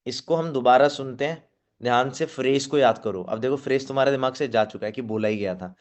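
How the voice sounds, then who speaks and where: A man training a seated sales team, talking directly and often stopping to check that they follow, with English phrases mixed in. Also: mid-range voice. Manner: coaching, checks in often with a quick question, mixes in English phrases. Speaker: network marketing team trainer. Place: meeting room with team present.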